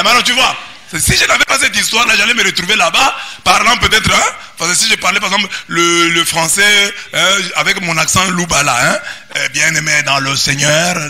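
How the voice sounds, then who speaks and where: A man with a Congolese French accent, a priest giving an animated sermon that often rises to shouts and singsong. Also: on the high side, a little hiss or hum. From Democratic Republic of the Congo. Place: parish church.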